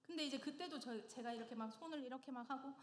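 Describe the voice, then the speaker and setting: A middle-aged woman giving a personal testimony in church, telling her story with lively humor and frequent laughter. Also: high-pitched, quick pace. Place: church sanctuary. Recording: echoey church hall.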